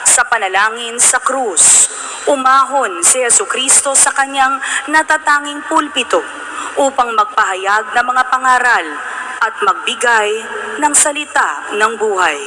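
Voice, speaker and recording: A woman's voice: on the high side, measured pace, sharp tone, a little hiss or hum, poor audio. A woman with a Filipino accent hosting a religious broadcast, reading solemn scripted narration in a formal, reverent way. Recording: background music under the voice. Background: music.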